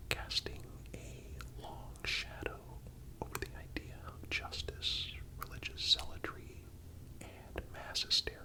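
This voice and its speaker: A person whispering a scripted historical narration in a calm, deliberate ASMR style, breathy and broken by frequent pauses. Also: poor audio. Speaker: host and narrator.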